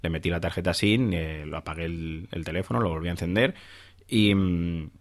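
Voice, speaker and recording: A man's voice: low-pitched, normal speed, no room sound. A man from hosting a podcast, casually demonstrating a phone with chatty enthusiasm. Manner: chatty, many fillers and restarts, enthusiastic. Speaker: podcast host. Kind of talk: casual tech demo.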